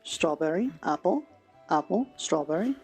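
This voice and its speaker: Low-voiced woman hosting a roleplay. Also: lively intonation, moderate pace, darkish tone, faint music behind. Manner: motherly, practical, gives out food and advice. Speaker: streamer and roleplayer. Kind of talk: in-character roleplay chat.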